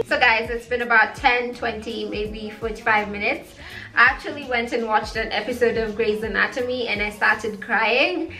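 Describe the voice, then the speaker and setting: A woman's voice: fairly high pitch, sharp tone. A young woman chatting through a hair tutorial vlog, playful and sassy with giggly asides. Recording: echoey room with faint music.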